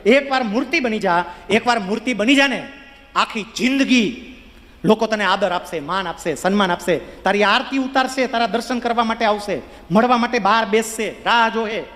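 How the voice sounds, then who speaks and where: A man's voice: high-pitched, moderate pace, fairly bright tone. Coaxing male sculptor, as a man tells it. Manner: urging, persuasive. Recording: long hall reverb.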